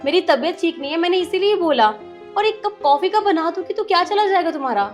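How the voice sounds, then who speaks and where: A woman's voice: extremely high pitch, expressive, fairly quick, faint music behind. A woman playing a defiant young daughter-in-law. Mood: pleading. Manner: pleading then defiant. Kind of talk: Hindi family drama acting.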